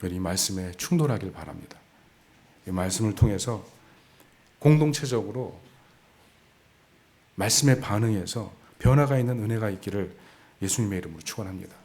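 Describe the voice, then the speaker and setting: A man's voice: fairly low pitch, animated, a little fast, long pauses, darkish tone. A male pastor preaching a sermon, telling his own story and acting out the voices of people in it with a self-mocking laugh. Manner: storytelling, acts out quoted voices, laughs at himself. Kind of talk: sermon with personal testimony.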